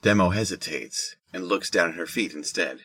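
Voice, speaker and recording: Low-voiced man narrating a drama. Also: moderate pace, sharp tone, husky, no room sound. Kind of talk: scripted audio drama narration.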